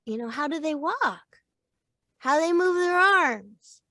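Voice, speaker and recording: Lively, chatty middle-aged woman. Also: high-pitched, measured pace, no echo, studio quality. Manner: lively, chatty, laughs easily. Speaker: voice actor and acting coach. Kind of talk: casual interview chat.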